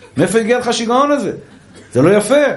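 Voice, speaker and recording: In a room with audible echo, a man speaks in an animated tone. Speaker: rabbi giving Torah lectures. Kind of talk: religious lecture.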